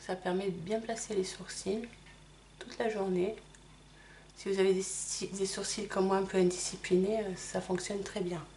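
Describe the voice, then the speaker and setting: Middle-aged woman doing her makeup at home, chatty and apologetic, soft clicks in the background. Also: mid-range voice, little pitch movement, moderate pace, a little hiss or hum. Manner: chatty, apologetic, talks while applying makeup. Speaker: makeup vlogger. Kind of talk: casual makeup tutorial chat.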